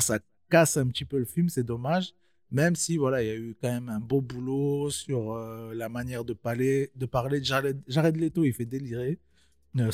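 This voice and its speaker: A man's voice: medium pitch, darkish tone, dry recording, studio quality. A young man giving a casual film review, slangy and chatty, talking straight to his viewers.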